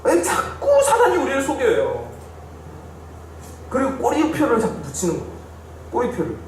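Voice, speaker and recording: A man's voice: very high-pitched, huge pitch swings, normal speed. A male pastor giving an emphatic Bible study sermon, repeating phrases and asking the congregation questions. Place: church hall. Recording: very echoey hall, distant mic, faint hiss.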